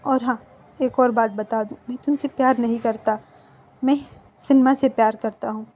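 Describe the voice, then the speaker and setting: A woman's voice: on the high side, steady tone, normal speed, darkish tone, close to an everyday voice. A woman voicing a heartbroken, defiant young man who pleads emotionally, close to tears. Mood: angry.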